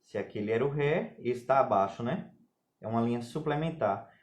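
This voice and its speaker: A man's voice: mid-range voice, expressive, a little fast. Male music teacher, live stream lesson, patient and step by step, quizzes the chat. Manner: patient, explains step by step, asks viewers questions.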